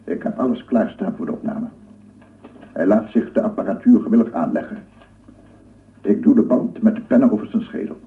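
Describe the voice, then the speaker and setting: A man's voice: fairly low pitch, fairly quick, pauses often, natural voice. An actor playing an obsessive lone scientist in a radio play, cooing and murmuring repetitively as he does with his dog. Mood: playful, soothing. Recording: echoey, distant, phone-like old radio recording.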